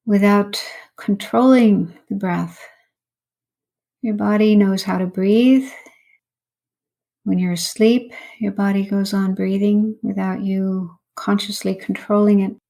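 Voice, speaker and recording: A meditation teacher with a mellow, medium-pitched voice leads a guided meditation. She gives instructions in an unhurried way, leaving long pauses.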